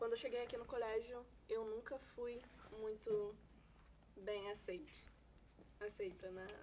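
Her pitch fairly high and her tone dark and mellow, a woman speaks at a fairly slow pace with fairly even intonation and long, frequent pauses. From Brazil, Rio de Janeiro. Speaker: university student. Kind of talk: podcast interview.

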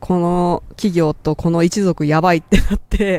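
In a very clean recording with a silent background and a dry, close sound with no echo, a woman with a plain, everyday voice speaks fairly slowly at a medium pitch with ordinary pitch variation. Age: 30s. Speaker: YouTuber and podcast host. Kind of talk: casual monthly recap monologue. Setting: outdoors on a rooftop.

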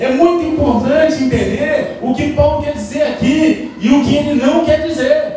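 Speaking at a fairly slow pace with hardly any pauses, the voice keeps a fairly even intonation amid audible room echo and noticeable background noise. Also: man, extremely high pitch for a man. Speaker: pastor. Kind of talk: sermon. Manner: casual slangy preaching. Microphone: voice cutting out.

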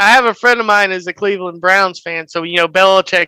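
A man speaks in a Southern US accent, his voice high-pitched and bright and sharp in tone, with fairly even intonation. The recording is very clean with a silent background, and the sound is dry and close with no echo. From US South. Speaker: sports betting fan. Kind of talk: casual chat.

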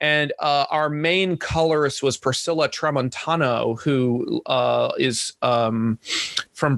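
This man's Texan accent comes through in a dry, close sound with no echo. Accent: Texan American. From Texas, San Antonio. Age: 30s. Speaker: comic artist. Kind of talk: interview.

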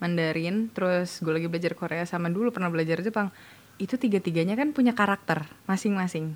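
This woman has a normal speaking voice, medium in pitch with ordinary pitch variation. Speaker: podcast host, student. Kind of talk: casual chat.

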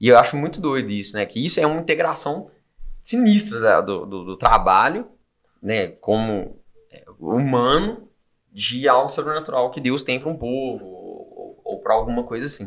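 A man talks at a moderate pace, with big swings in loudness and very wide pitch swings. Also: medium pitch for a man. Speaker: podcast co-host.

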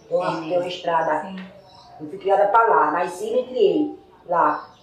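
A woman speaks with lively intonation. Audible room echo and noticeable background noise fill the recording. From Pernambuco, Brazil (Zona da Mata Norte). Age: 60s. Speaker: farmer and traditional healer. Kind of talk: interview.

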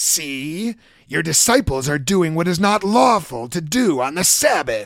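Over a silent background in a very clean recording, a man uses a put-on character voice, high-pitched and fairly slow. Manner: sneering.

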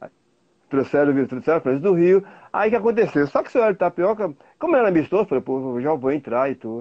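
A man's pitch rises and falls very widely as he talks very fast. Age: 60s. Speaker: goalkeeper coach, former goalkeeper. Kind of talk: interview.

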